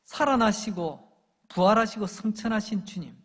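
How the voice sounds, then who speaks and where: A male pastor delivering an animated sermon to his congregation, acting out the shouts and taunts of crowds as he preaches. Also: high voice, normal speed. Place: church sanctuary. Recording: long church hall reverb.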